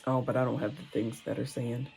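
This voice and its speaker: A woman with a raspy, hoarse voice from a sore throat, rambling and thinking aloud in a casual vlog at home, filmed on a phone. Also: rumbling low, flat delivery, brisk, a little mellow, poor audio. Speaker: vlogger and mom entrepreneur. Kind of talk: casual talking-to-camera vlog. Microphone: phone on a tripod. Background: faint kids' show audio.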